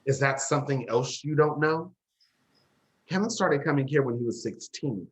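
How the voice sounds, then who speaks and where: An actor playing a bitter, grieving, sharp-tongued young gay man in a drama, sarcastic and confrontational. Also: medium pitch, moderate pace, lightly acted. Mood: accusing. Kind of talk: dramatic dialogue acting.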